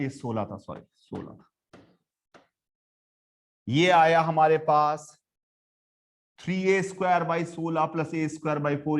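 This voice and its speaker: A male physics teacher with a slightly high voice lectures in a classroom. He swings between quiet explaining and loud emphasis as he works through problems, speaking straight to his students. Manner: animated, swings between soft and loud, addresses students directly.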